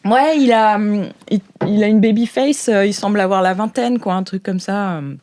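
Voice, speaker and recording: A woman's voice: medium pitch, moderate pace, mellow. A woman game master improvising narration for a sci-fi audio role-playing game in an informal, playful, slangy way.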